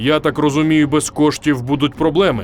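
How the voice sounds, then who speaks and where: A man's put-on character voice, fairly high in pitch, at a moderate pace over clear background noise. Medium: fan dub. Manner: gruff, terse.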